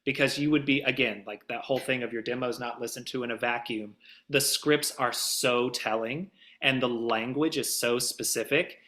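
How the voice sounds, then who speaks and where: A man's voice: mid-range voice, fairly even intonation, normal speed, pushed and bright. A man giving casual interview answers as a producer, emphatic and repeating phrases to drive points home. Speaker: voiceover demo producer being interviewed. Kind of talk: casual explanatory interview talk.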